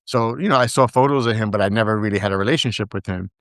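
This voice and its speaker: Podcast guest, male, raised in Brooklyn and Puerto Rico, Spanish native; low-pitched, conversational, rambling, dry close recording. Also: racing, fairly bright tone, no room sound. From Brooklyn, New York, with years in Puerto Rico. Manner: rambling, frequent fillers and restarts. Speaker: podcast guest, digital media founder. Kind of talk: casual storytelling interview.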